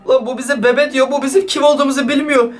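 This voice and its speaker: A man vlogging over a phone game, excitable and slangy, often turning to talk straight to his viewers. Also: very high voice, fast. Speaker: YouTuber. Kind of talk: casual gaming vlog commentary.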